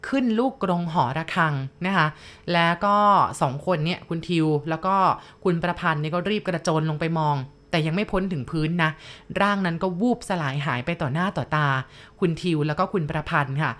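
A woman's voice: low voice, a little fast, hardly any pauses. A woman narrating listener-sent ghost stories, polite and talking straight to her audience. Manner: polite, addresses listeners directly.

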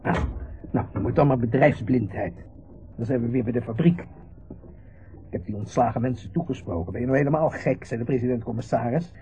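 An actor playing an irritable, overstrained middle-aged factory owner in a radio play, curt, dismissive and sometimes hesitant. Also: male voice, medium pitch, brisk, mellow, natural voice. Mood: dismissive, wry. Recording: dull, hissy old radio play recording.

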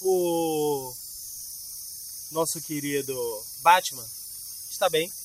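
A man's voice: fairly high pitch, drawn-out words, a little hiss or hum. A man co-hosting a comedy podcast, chatting in a playful, rambling, jokey way. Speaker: podcast co-host. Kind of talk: casual comedic banter.

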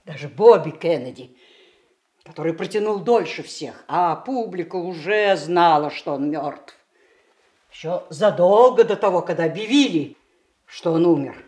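An actress playing a reflective, wry mature woman in a Russian radio play, musing aloud with dramatic pauses. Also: on the low side, lively intonation, mellow. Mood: recounting intently. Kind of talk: Russian radio theatre monologue.

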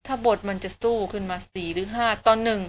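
A woman's voice: medium pitch, steady tone, fast talker, slight background noise, lightly acted. A woman reading the lines of a spirited young woman who speaks firmly and reproachfully, in an audiobook novel. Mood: explaining. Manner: firm, reproachful talk. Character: spirited young woman, sharp-tongued and caring.

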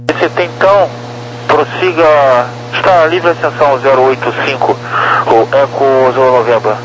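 A man's voice: mid-range voice, fairly even intonation, moderate pace, highs cut off. A Brazilian man working as an air traffic controller, giving procedural instructions over aviation radio. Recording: noisy humming aviation radio channel.

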